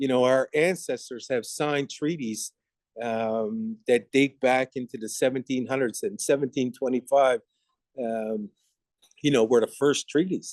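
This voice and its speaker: In a dry, close sound with no echo, a man speaks at a medium pitch and a fairly slow pace with ordinary pitch variation. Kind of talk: panel presentation. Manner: halting, many fillers.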